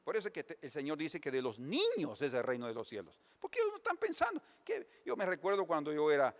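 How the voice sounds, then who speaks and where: A man preaching a sermon as pastor, telling lively stories in a church. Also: fairly high pitch, quick pace. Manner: lively storytelling preacher, animated. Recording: long church reverb.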